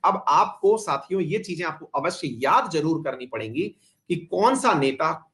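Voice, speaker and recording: In an online exam-prep class, a man teaches history in a chatty way, quizzing his students, wandering into side remarks and mixing English terms into his speech. His voice sits high with a fairly bright tone.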